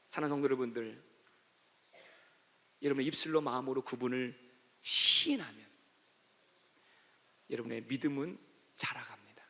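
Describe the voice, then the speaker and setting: A male pastor delivering a dramatic sermon, swinging from hushed asides to shouted climaxes, in a church sanctuary. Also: mid-range voice, creaky. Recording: long church hall reverb.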